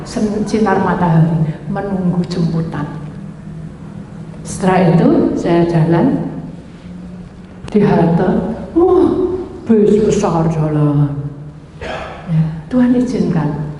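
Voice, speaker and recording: A woman's voice: fairly low pitch, slow pace, long pauses, a little hiss or hum. Woman preaching in an echoey hall. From Indonesia. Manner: animated storytelling, acts out quoted dialogue, mixes in Javanese. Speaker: pastor. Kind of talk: sermon.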